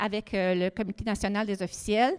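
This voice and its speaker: The background is silent and the recording very clean. A woman talks in an English accent. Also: dry, close sound with no echo. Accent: English-speaking accent in French. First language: English (speaking French). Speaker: swimming official and committee leader. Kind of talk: presentation. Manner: halting, with frequent hesitations.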